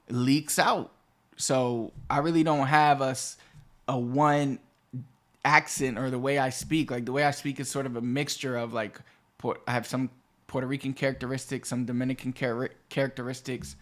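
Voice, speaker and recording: Man teaching spanish to camera, chatty, wanders off topic, mid pitch. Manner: chatty, digressive, restarts phrases. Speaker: Spanish teacher and channel host. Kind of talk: explaining a language lesson to camera.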